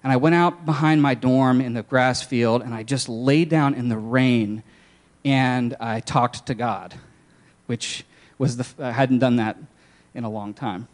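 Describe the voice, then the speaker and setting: A man's voice: medium pitch, a little slow. A young man casually sharing a personal testimony, candid, with plenty of fillers and restarts.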